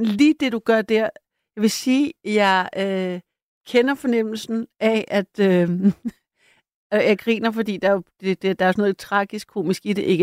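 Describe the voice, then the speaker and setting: A woman's voice: medium pitch, a little mellow, no room sound, clean studio sound. A woman hosting a late-night call-in radio show, chatty and a little hesitant, laughing easily with callers.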